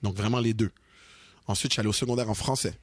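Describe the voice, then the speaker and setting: Québécois guy, young, podcast chat, kinda husky and low, dry close mic, animated and slangy. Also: fast, no echo. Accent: Québécois French. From Quebec, Canada. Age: young adult. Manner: animated, slangy, switches into English. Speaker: podcast co-host. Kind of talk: casual chat.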